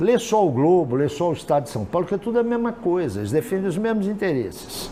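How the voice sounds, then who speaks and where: A man talks at a moderate pace with high pitch and very wide pitch swings. Audible room echo and noticeable background noise fill the recording. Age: 60s. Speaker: professor. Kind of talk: lecture. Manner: conversational.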